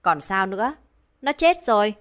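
A woman voicing a cruel, scheming middle-aged village wife who taunts in a shrill, sneering voice. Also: sing-song, moderate pace, fairly bright tone. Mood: defiant. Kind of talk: dramatized horror storytelling.

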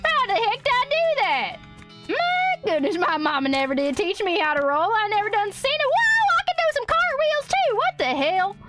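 A woman's voice: very high voice, sing-song, normal speed, over loud music. A woman streaming a game in a goofy, put-on country drawl, exclaiming and giggling as she plays. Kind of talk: in-character let's play commentary.

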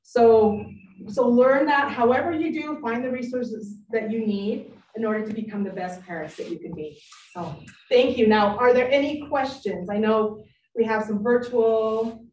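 A middle-aged woman giving a live workshop talk to parents, animated and lively, acting out friends she quotes. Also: a little high, normal speed, dull audio, slight background noise. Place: meeting room. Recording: echoey room, distant mic.

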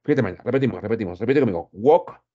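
A man's voice: on the low side, lively intonation, rapid-fire, husky, phone-quality sound. A man teaching English grammar in Spanish, who explains patiently and drills pronunciation by repeating each word several times.

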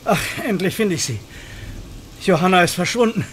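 An actor playing a wary, dry-witted police inspector in a radio horror drama, often talking to himself. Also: male voice, sits high, animated, normal speed, noisy background.

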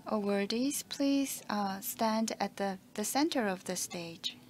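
Female interpreter, slow and halting, relaying stage directions at a ceremony. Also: medium pitch, a little mellow, a little hiss or hum. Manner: hesitant, slow, with fillers and restarts. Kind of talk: live interpretation of event announcements.

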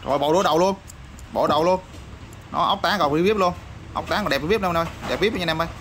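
A man showing off used motorbike parts in a rapid, repetitive sales patter full of fillers. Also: on the high side. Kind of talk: casual product showcase sales patter. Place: parts shop or workshop. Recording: noisy backdrop with passing vehicles.

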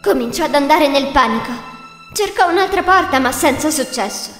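A woman's voice: sits high, animated, normal speed, a bit bright. A woman reading a scripted fairy tale as the narrator. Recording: echoey hall reverb, music behind. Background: music.

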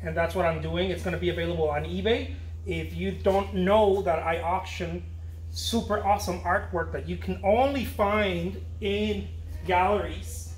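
A man's voice: high-pitched, fairly even intonation, normal speed, slight background noise. A man in his thirties, a painter, talking casually to the camera while he paints in a large studio, rambling and restarting his phrases, picked up by a camera some way off. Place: large studio with an open big door. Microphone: camera at a distance. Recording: roomy studio echo, faint ambience.

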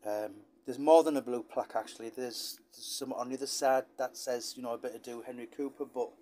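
A man's voice: medium pitch, darkish tone. A man from Britain, a channel host talking in a chatty, rambling, wistful way with many fillers. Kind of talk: casual talking-head monologue.

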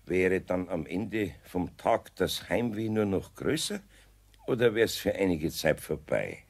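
A man playing an older, good-natured, grumbling master carpenter with a Bavarian accent and a raspy voice, in a children's radio play. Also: low voice, big pitch swings, unhurried, exaggerated voice. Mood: kindly.

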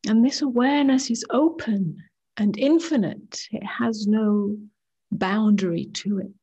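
Woman, guided meditation, soft near-whisper, dark mellow tone, very slow short phrases, muffled sound. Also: medium pitch, breathy edge. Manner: unhurried short phrases, hushed, calming. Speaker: meditation teacher. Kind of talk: guided meditation, slow and gentle with long pauses.

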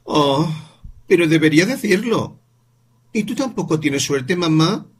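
Guy reading as a pushy little kid in a storybook, high husky voice, keeps asking why. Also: lively intonation, unhurried. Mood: insistent. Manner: eager questioning, rising pitch. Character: curious insistent young boy. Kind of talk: audiobook character reading.

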